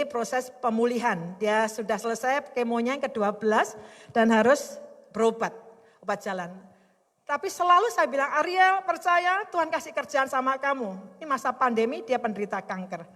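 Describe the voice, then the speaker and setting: A woman's voice: on the high side, fairly bright tone. A middle-aged woman pastor preaching a sermon with emphatic, heartfelt delivery. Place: worship service in a hotel hall. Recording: long hall reverb.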